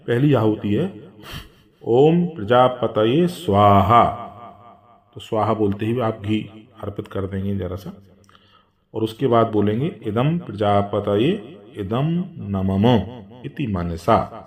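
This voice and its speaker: A man patiently explaining a home fire ritual step by step, with drawn-out chanted mantras. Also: on the low side, fairly even intonation, darkish tone. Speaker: religious instructor.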